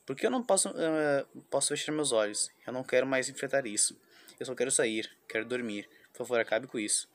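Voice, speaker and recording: A man's voice: mid-range voice, close to an everyday voice. A man doing Sayori, a despairing schoolgirl. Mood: frightened. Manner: halting, restarts words while reading. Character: despairing young schoolgirl, anxious and self-blaming. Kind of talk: reading a visual novel aloud.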